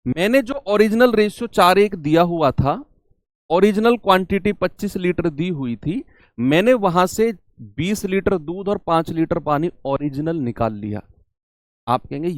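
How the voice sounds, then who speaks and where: A man teaching an exam-prep math lesson, coaxing his students with questions and swinging between loud and soft. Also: sits high, no echo, studio quality.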